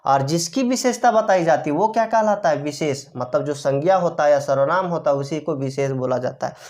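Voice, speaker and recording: Here a female grammar teacher speaks in a low, brisk, slightly mellow voice. She explains things one step at a time, classroom fashion, raising rhetorical questions she then answers and repeating each key term.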